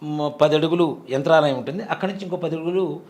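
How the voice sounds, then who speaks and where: A man in his forties tells a story from his own life at a quick clip, earnest and full of vivid detail. His voice sits a little higher than most men's, and he speaks as a temple priest in a relaxed interview. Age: 40s. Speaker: temple priest and devotional guest.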